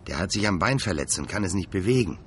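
An actor playing a kindly young man standing in for Santa, gently chatting to his reindeer and a boy. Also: deep voice, lively intonation, brisk, slight background noise. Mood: gentle.

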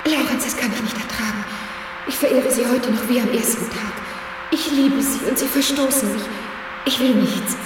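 A woman's voice: a little high, normal speed, far from the mic, over music, lightly acted. An actress playing a devoted secretary in a radio play, pleading melodramatically with her boss. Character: devoted, despairing woman secretary. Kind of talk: 1950s radio play acting. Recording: roomy reverberant studio, voice off-mic.

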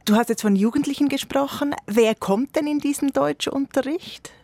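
A woman's voice: high voice, normal speed, a little mellow, no echo. A woman interviewer, asking probing, conversational questions. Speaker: radio interviewer.

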